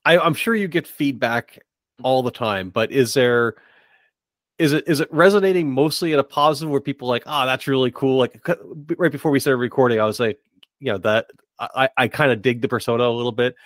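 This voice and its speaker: A man with a mid-range voice hosts a relaxed, conversational podcast interview. He speaks haltingly, often restarting and rewording what he means. The recording is dry, with almost no room sound. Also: medium pitch, no room sound. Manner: halting, rephrases questions as he goes. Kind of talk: casual interview chat.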